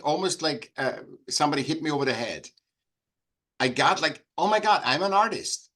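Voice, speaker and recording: A middle-aged man from Austria with an Austrian German accent, speaking as an interview guest in a halting, animated way with frequent restarts. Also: medium pitch. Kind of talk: conversational interview.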